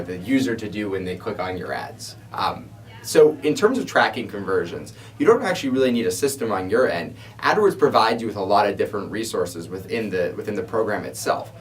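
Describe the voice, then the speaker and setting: A man with a fairly low voice, heard a little away from the microphone. He talks like a support specialist co-hosting a Q&A show, explaining step by step in informal, conversational language. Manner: explanatory, informal, frequent "you know". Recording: distant mic pickup.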